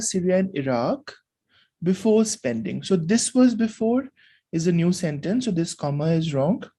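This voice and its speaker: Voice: mid-range voice, mellow, slightly rough. A tutor reading a test passage aloud and explaining which answer is correct, checking in with "right?" as they go. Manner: talks through reasoning, asks "right?" for checks.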